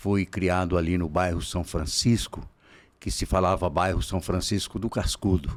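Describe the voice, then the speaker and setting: A man with a very deep, low voice and vocal fry, captured in a very clean recording against a silent background. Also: ordinary pitch variation, fairly slow pace. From Brazil, Mato Grosso do Sul (Campo Grande). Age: 70s. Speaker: radio broadcaster. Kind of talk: interview.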